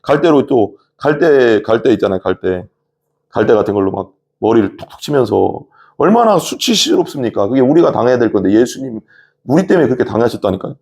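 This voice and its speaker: A man's voice: mid-range voice, big pitch swings, fairly quick, a little mellow. A male pastor preaching a sermon in a conversational, explanatory way, asking his listeners rhetorical questions.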